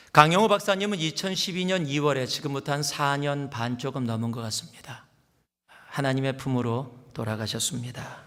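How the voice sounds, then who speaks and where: A man's voice: mid-range voice, a bit bright. A male pastor preaching a sermon, telling stories and acting out the people he quotes. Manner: storytelling preaching that acts out quoted speakers. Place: church sanctuary. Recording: long reverb of a large church hall.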